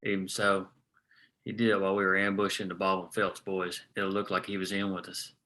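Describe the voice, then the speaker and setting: A man playing a tough, profane small-town lawman in a drama table read, speaking in terse, measured lines. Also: deep voice, completely flat delivery, pushed and bright, slight background noise. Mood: guarded.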